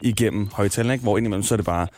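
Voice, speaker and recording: A man's voice: on the low side, a little mellow. A man co-hosting a radio show, telling stories casually and acting out quotes. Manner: storytelling, acts out quotes. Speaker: radio host. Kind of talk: casual chat.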